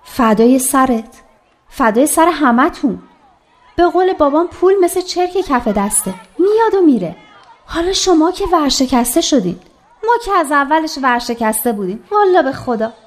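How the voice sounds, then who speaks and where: An actress playing a loud, emphatic young woman who cheers up her friends in a radio drama. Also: high-pitched, very animated. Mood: earnest.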